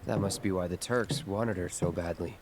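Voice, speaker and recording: Low-voiced stoic young mercenary. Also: male voice, normal speed. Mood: cool, reserved. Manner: terse, deadpan. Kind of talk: understated video game voice acting. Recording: loud game noise behind voice.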